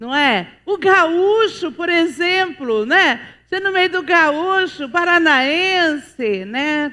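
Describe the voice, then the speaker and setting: Extremely high-pitched and bright, sharp in tone, a woman with a Cuiabá accent projects her raised voice at a very slow pace with lively intonation and hardly any pauses. The recording is very clean, with a silent background. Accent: Cuiabano accent, recognizable. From Brazil, Cuiabá region (Mato Grosso). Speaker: seminar speaker at church. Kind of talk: church teaching seminar. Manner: hesitant, many fillers.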